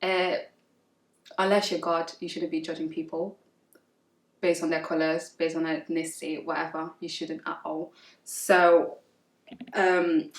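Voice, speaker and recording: A woman on a discussion panel, speaking in a firm, lecturing way. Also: deep voice. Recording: echoey room from far off.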